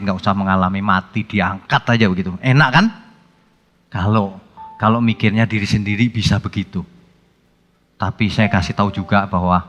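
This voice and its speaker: A male pastor preaching a sermon in a conversational, colloquial way, breaking into sudden animated outbursts. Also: fairly low pitch, highs cut off. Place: church hall. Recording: long hall reverb with faint music.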